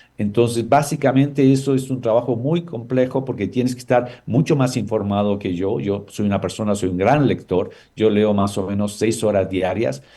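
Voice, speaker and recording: With hardly any pauses, a man talks at a moderate pace in a medium pitch, his tone dark and mellow and his pitch variation ordinary, on a very clean recording with a silent background. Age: 60s. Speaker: government communications secretary. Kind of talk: radio interview.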